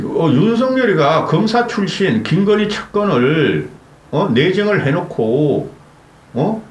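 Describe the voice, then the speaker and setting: A man rants through heated political commentary, scolding his targets and tossing in sharp rhetorical "eh?" tags between lines. His fairly high voice swings widely up and down. The sound bounces around a roomy space. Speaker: political commentary channel host. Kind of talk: angry political commentary rant.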